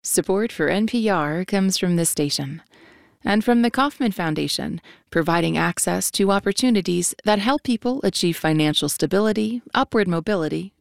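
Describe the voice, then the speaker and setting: A woman announcer reading funding credits for public radio in a smooth announcer read. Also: fairly low pitch, no room sound, clean studio sound.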